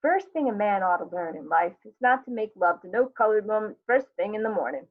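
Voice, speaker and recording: A woman's voice: medium pitch, animated, fairly quick, natural voice. A blustering, self-important father from a stage drama, voiced by a woman. He grumbles and challenges brashly. The recording sounds thin and phone-like. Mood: grumbling.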